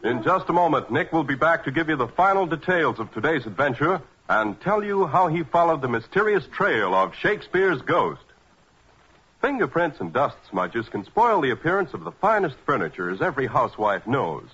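A man's voice: a little high, sing-song, moderate pace, a bit bright, breathy edge. An American man announcing in 1940s radio commercial style, with polished, emphatic salesmanship. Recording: muffled, dull vintage 1940s radio recording.

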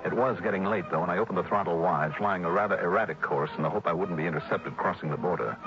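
A man's voice: deep voice, quick pace. An actor playing a tough, wisecracking male insurance investigator, narrating in clipped, dry 1960s radio drama style. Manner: dry, clipped, hard-boiled. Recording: dull old radio recording with music.

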